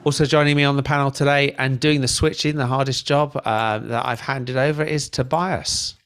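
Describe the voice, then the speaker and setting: A man with a medium-pitched voice hosts an online panel. He chats casually as he hands over from one person to the next. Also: fairly even intonation, moderate pace, a bit bright. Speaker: host.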